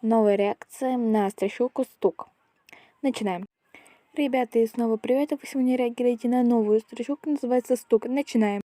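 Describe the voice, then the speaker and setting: A woman hosting her channel and introducing a new video to her viewers in a brisk, cheerful way. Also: a little high, steady tone, warm tone, a little hiss or hum. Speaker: channel host.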